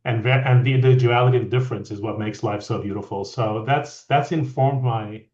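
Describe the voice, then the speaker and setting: A middle-aged man from France, a guest leadership coach, talking in a reflective, halting way with many restarts. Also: medium pitch, a little mellow. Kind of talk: conversational interview. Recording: echoey, dull lo-fi audio.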